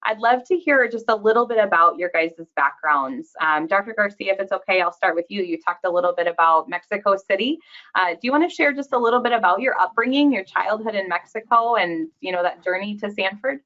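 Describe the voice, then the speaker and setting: Woman, webinar host, bright forceful voice, welcoming, dull lo-fi sound. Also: medium pitch, brisk. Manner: upbeat, welcoming. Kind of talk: hosted webinar conversation. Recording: dull lo-fi audio.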